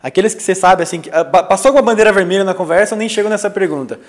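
A man co-hosting a casual business podcast, reflective, restarting his phrases and dropping to a low, confiding tone. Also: very fast. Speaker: podcast co-host.

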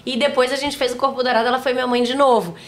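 A woman's voice: high voice, very fast. A woman in her forties, a podcast guest chatting casually and acting out quotes as she tells stories. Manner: animated storytelling, acts out quotes. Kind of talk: casual chat.

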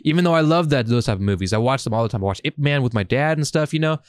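A man's voice: medium pitch, expressive, rapid-fire, dry recording. A man podcasting in a casual, profane chat, rambling and enthusiastic with plenty of slang. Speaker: podcast host.

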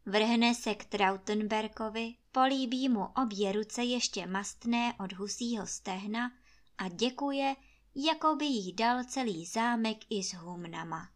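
A woman narrating a fairy tale for children in a lively, folksy storytelling manner. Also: fairly high pitch.

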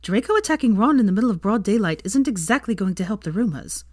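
An earnest young wizard voices his worries, as a woman reads him. His pitch climbs high when he gets anxious. The sound is close and dry. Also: sing-song, fast, no room sound. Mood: worried.

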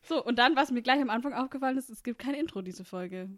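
A woman's voice: fairly high pitch, fast. A woman co-hosting a casual podcast about a TV series, chatty, with frequent fillers and laughs. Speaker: podcast co-host.

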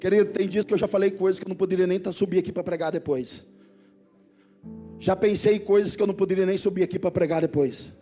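A Brazilian man preaching in a church, his voice unusually high for a man. He tells stories casually, dropping to quiet asides, then builds to loud exhortation. Soft music plays faintly behind him. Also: steady tone, fast talker. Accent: Brazilian Portuguese. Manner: storytelling, swings from hushed asides to loud exhortation. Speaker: pastor. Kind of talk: sermon. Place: church hall before a congregation.

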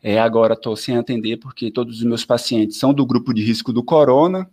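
A man, chatting as a guest in an interview, lively and full of filler tags. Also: mid-range voice, brisk. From southern Bahia, Brazil. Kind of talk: casual interview chat.

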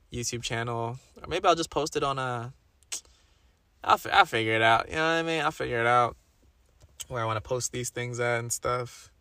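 A young man with a slightly raspy voice, chatting casually and rambling through a solo podcast in slangy talk, repeating phrases for emphasis. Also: mid-range voice, bright, forceful tone, dry recording. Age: young adult. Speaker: podcast host.

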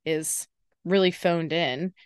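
A woman's voice: on the low side, takes it slowly, clean tone, no room sound, clean studio sound. A woman co-hosting a sports podcast, chatting with enthusiasm and teasing her co-host. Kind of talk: casual sports chat.

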